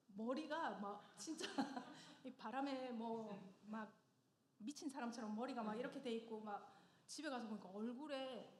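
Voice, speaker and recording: A middle-aged woman giving a personal testimony in church, telling her story with lively humor and frequent laughter. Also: fairly high pitch, slight background noise. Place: church sanctuary. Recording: echoey church hall.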